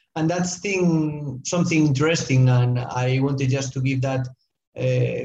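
In a Spanish accent, a man speaks at a moderate pace and medium pitch. His tone is dark and mellow and somewhat breathy. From Spain. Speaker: basketball coach and sporting director. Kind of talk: monologue talk. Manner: halting.

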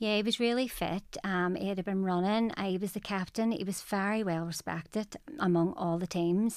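A woman speaks in a Belfast accent. Her pace is fairly quick and her intonation fairly even. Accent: Belfast Northern Irish. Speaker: widow of a former footballer. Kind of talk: interview about grief. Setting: studio.

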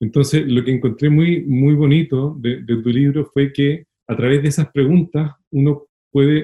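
A man with a plain, everyday voice speaks at a fairly high pitch. His pace is fairly slow, and his pitch variation is ordinary. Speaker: podcast host. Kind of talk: interview.

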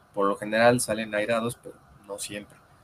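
A man speaks over noticeable background noise. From Mexico, Veracruz. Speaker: writer and literature scholar. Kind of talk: interview.

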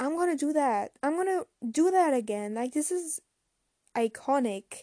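A woman's high-pitched, dark and mellow voice with a non-native accent, very slow and full of very wide pitch swings, in a dry, close sound with no echo. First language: not English. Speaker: podcast host. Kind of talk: casual self-help monologue. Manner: animated.

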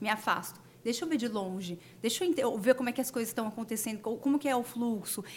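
Fairly high-pitched woman at a fairly quick pace, hardly any pauses and ordinary pitch variation. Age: 30s. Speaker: career and digital marketing specialist. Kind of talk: podcast interview.

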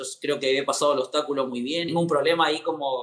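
An unremarkable speaking voice carries fairly even intonation. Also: man. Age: 30s. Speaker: steeplechase athlete. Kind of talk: casual interview.

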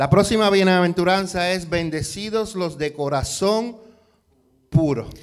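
Rather unhurried talk from a man with a high pitch, in a room with audible echo. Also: ordinary pitch variation. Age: 40s. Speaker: pastor. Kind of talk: sermon.

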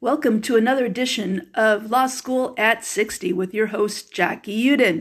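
Over a quiet background, a woman talks at a moderate pace with hardly any pauses, her fairly high pitch showing ordinary variation. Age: 60s. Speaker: podcast host. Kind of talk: unscripted solo monologue. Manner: rambling.

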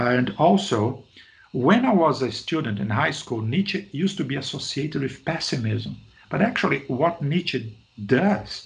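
With a Portuguese accent, a man talks at a fairly slow pace in a fairly high pitch, his voice swinging very widely in pitch and showing vocal fry. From Brazil. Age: 40s. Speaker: philosophy lecturer. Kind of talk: interview. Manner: halting.

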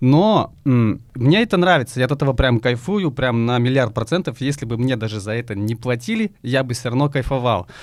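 Speaking at a moderate pace with hardly any pauses, a man uses an unremarkable speaking voice at medium pitch with ordinary pitch variation. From Kazakhstan and Siberia, Russia. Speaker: photographer and Instagram producer. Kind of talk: casual chat. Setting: studio.

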